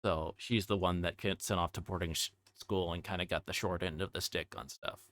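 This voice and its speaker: Male game streamer, lowish pitch, casual and halting delivery, dry sound. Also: fairly even intonation, a bit bright, no room sound. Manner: halting, thinking aloud. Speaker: livestreamer. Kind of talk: casual game commentary and read-aloud.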